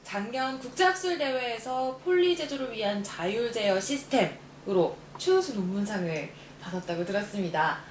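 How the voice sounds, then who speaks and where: A woman's voice: fairly high pitch, expressive, normal speed, few pauses. Polite woman interviewer in an echoey room. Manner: polite, formal. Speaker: interviewer, host. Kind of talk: formal scripted interview questions. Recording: roomy echo, background noise.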